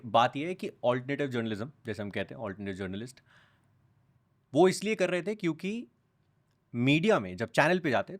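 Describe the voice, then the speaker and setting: A young man, a podcast guest, talking in a casual conversation and telling animated stories as he switches between Hindi and English. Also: mid-range voice. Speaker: podcast guest, content creator.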